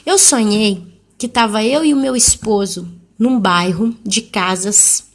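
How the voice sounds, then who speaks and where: A woman in her thirties or forties recounts a testimony to a church audience. Her voice sits at a middle pitch and moves with the telling. She stays lively and expressive, like a natural storyteller. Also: takes it slowly. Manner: animated, acting out the people she quotes. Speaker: church speaker giving a testimony.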